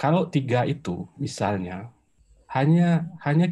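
A man's dark, mellow, somewhat breathy voice comes through over a quiet background. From Padang, West Sumatra; West Sumatra, Indonesia. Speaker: audience member asking questions; audience member. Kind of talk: question in a webinar. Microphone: video call.

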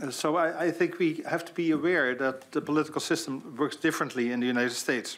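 A man speaks at a fairly quick pace in a fairly high pitch. His is an ordinary speaking voice. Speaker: professor, cultural historian; professor. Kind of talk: expert testimony at parliamentary hearing. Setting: parliamentary committee room. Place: meeting room. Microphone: podium.

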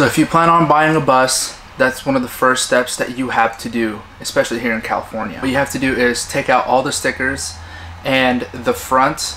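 A man's voice at a moderate pace, with ordinary pitch variation and light background noise. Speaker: bus conversion vlogger. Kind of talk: casual vlog chat. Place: bus. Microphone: phone near.

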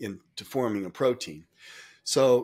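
A man speaks at a fairly slow pace with a quiet background behind him. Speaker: guest. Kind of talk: interview answer. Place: home room. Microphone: webcam.

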